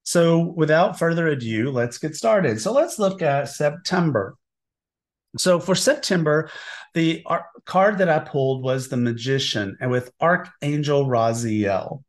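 A man's voice: on the high side, expressive, unhurried. Sniffly man hosting a tarot podcast. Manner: chatty and enthusiastic, with fillers. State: recovering from a cold, slightly sniffly and scratchy. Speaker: podcast host, tarot reader. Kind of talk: casual podcast talk.

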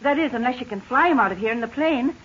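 A woman's voice: on the high side, animated, fast, a bit bright. An actress playing a practical, motherly woman tending a patient, matter-of-fact, in 1940s radio serial style. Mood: caring, firm. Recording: dull, hissy 1940s radio recording.

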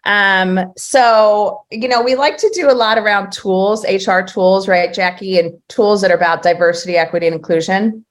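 This is a woman of middle pitch co-hosting a podcast in a loose, chatty way. She fills her sentences with ums and little laughs. Her tone stays friendly and informal. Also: moderate pace, few pauses. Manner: chatty, many fillers and laughs. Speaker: podcast co-host. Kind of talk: casual podcast chat.

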